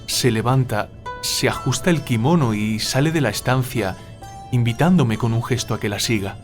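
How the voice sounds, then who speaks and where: A man playing a troubled writer haunted by nightmares, confiding in a measured, literary way, as in an audio drama. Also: mid-range voice, faint music behind, natural voice. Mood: haunted, hushed. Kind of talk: audio drama monologue, narrating a dream.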